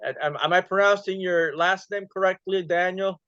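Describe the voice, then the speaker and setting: A man's voice: sits high, steady tone, normal speed, fairly bright tone, no echo, muffled recording. Chatty podcast host man, dry sound. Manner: chatty, lots of "you know". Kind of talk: podcast interview.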